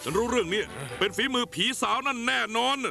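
A man's voice: extremely high pitch, fast, creaky, over loud music. A furious, betrayed young man. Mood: accusing. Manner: loud, accusing, stubborn. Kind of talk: Thai dub of a TV drama.

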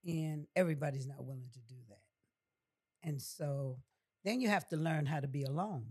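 A woman in her sixties from New York City, reflecting in a measured, deliberate way as a podcast guest. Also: deep voice, darkish tone, husky. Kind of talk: reflective conversational interview. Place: small furnished podcast studio. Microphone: close boom-arm studio mic with headset.

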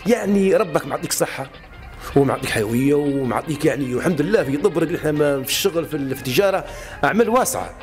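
A Libyan man in his late thirties speaks very quickly, his voice sitting a little high for a man. He answers questions outdoors into a handheld mic, restarting sentences and leaning on fillers. Faint music plays behind him. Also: lively intonation. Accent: Libyan Arabic. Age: late 30s. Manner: halting, many fillers and restarts. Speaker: interviewee, honey trader. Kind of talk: casual interview answers. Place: outdoors by a wall. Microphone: handheld mic held by interviewer.

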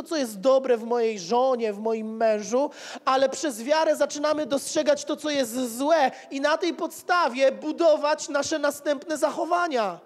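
A man, preaching a sermon as pastor with rhetorical repetition and casual asides, holding a mic. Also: extremely high pitch. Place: church hall with pews. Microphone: handheld mic. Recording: reverberant church hall.

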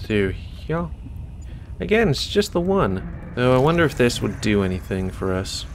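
A man's voice: medium pitch, big pitch swings, normal speed, background noise. An American man giving casual, rambling let's play commentary with wry asides. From United States. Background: video game music.

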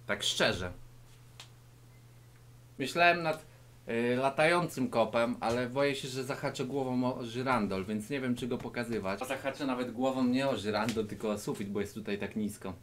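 In a low-ceilinged room indoors, a man making YouTube videos lectures the viewer in a mock-serious, comic martial-arts lesson aimed straight at the camera. He talks at a moderate pace, his volume shifting between loud and quiet, with slight background noise.

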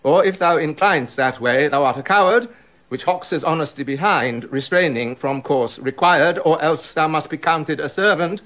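This radio drama actor's voice is a little high and fairly bright, at normal speed with no echo and only light acting. His role is a jealous, brooding middle-aged king who grumbles bitter asides and builds toward angry accusations.

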